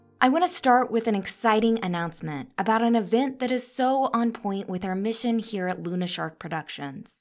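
A woman talks at a moderate pace with hardly any pauses against a quiet background. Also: lively intonation. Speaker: podcast co-host. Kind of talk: podcast announcement narration.

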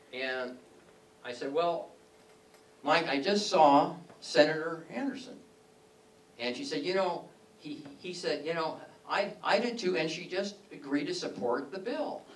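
A man's high-pitched voice at a fairly slow pace, with long, frequent pauses, audible room echo and light background noise. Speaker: health care advocacy organizer. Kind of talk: workshop talk. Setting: meeting room with live audience. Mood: animated, anecdotal. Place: meeting room.

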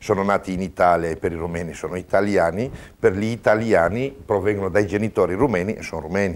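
With a Romanian accent, a man speaks at a fairly low pitch and ordinary pitch variation. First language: Romanian (speaking Italian). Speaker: community association president; guest. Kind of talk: TV interview. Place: studio. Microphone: lapel.

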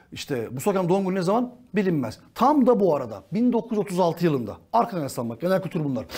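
Hardly pausing, a man with a high voice talks at a fairly quick pace with very wide pitch swings. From Turkey. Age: 40s. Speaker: exam prep teacher. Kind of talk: lecture. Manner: animated. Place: studio. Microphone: lapel.

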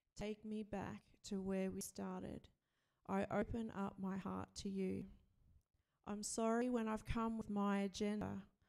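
A woman speaks at a fairly slow pace with long, frequent pauses. The background is quiet. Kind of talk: short talk then reading song lyrics aloud. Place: church. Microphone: podium.

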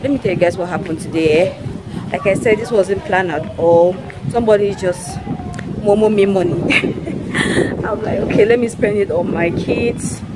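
A woman at a moderate pace with ordinary pitch variation and long, frequent pauses, over loud background noise. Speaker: vlogger. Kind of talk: casual vlog chat. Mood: cheerful, laughing. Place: street. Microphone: phone near.

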